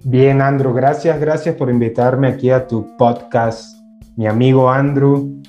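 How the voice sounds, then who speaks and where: A man with a Venezuelan accent touched by Mexican, a podcast guest who tells stories lively and acts out what others said. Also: mid-range voice, a little slow, faint music behind. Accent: Venezuelan with some Mexican. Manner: lively storyteller, acts out quotes, laughs. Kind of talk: casual podcast conversation. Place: at home in Mexico. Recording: dull, roomy remote call audio.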